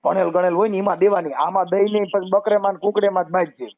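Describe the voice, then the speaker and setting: Man, high voice, Saurashtra Gujarati accent, outspoken and colloquial helpline adviser, thin phone-line sound. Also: steady tone, fast talker. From Gujarat, India. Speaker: activist taking a help call. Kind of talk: informal phone counselling conversation. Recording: narrowband phone call audio.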